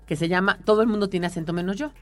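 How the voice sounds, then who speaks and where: A woman with a Mexican accent hosting a casual talk show, telling slangy, animated stories. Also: medium pitch, racing, soft background music. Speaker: podcast host. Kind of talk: casual chat.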